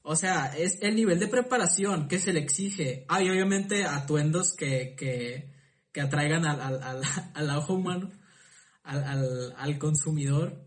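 A man in a relaxed podcast conversation, his voice sitting somewhat high for a man. He talks thoughtfully, stopping and restarting his sentences as he builds a point. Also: a little slow. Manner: thoughtful, hesitant, many restarts and repeated words. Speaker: podcast participant. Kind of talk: casual podcast chat.

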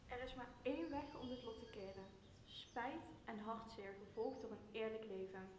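An obedient, mischievous spirit, played by a woman in a radio drama. The voice is soft-edged and a little high, ringing in a roomy echo. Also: normal speed, a little hiss or hum, natural voice. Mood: mischievous, dutiful. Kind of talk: radio play acting of Shakespeare. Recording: roomy, echoing recording.

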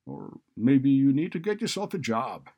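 A man voicing a callous, sarcastic male college dean in a story, loud and exasperated. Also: on the low side, expressive, a little slow, lo-fi sound. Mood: sarcastic, angry. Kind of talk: audiobook character dialogue.

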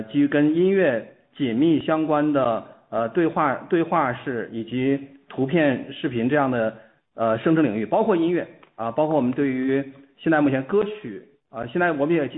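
A man, a company executive, answering questions on an earnings call in a halting way, often restarting phrases. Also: mid-range voice. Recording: muffled narrowband phone line.

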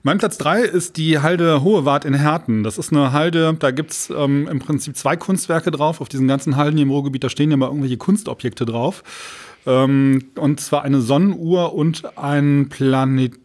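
A man's voice: on the high side, steady tone, moderate pace, darkish tone. A man chatting casually as a podcast co-host, explaining things and often searching for words.

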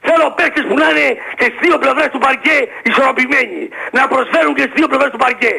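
A man playing a cranky older male basketball-fan caller who shouts and rants in a radio comedy sketch. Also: very high voice, vocal fry, exaggerated voice, poor audio. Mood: ranting. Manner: shouting, ranting, insulting.

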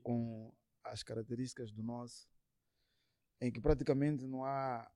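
A man speaking as a musician guest in a casual interview, haltingly, repeating phrases and dropping in English slang. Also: mid-range voice, steady tone, mellow, no echo, clean studio sound.

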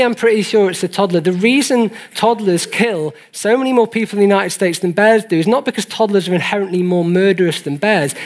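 A man lecturing in an earnest, didactic way, stressing key points as he explains figures to an audience. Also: sits high. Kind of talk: explanatory presentation of statistics to an audience.

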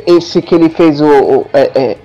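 A man's voice: on the high side, a little slow, warm tone, muffled recording. A man with a Brazilian Portuguese accent chatting casually and slangily as a podcast panelist. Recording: light music behind the voice.

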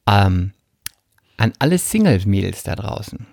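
A man co-hosting a casual comedic chat, telling stories and acting out quotes in a high voice. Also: measured pace, gravelly, no room sound, studio quality. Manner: animated storyteller, acts out quotes in high voice.

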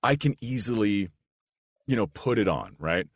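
Deep, rich-voiced man, dry sound. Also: very animated, moderate pace, no echo. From United States. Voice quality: big, low, rich voice. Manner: earnest and reflective, with restarts and "like". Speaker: voice actor guest. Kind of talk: casual podcast conversation.

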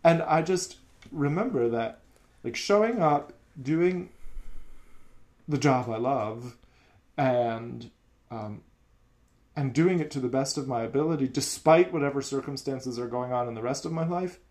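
A man's voice: medium pitch, expressive, measured pace, darkish tone. A man who teaches music, talking in an earnest, reflective way in a casual podcast chat.

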